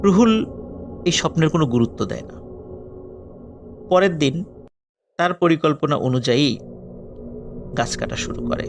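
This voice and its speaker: Male horror narrator, gravelly voice, dramatic pauses, loud music bed under him. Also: medium pitch. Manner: dramatic pauses, swinging between loud and hushed. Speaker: storyteller. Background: loud eerie music.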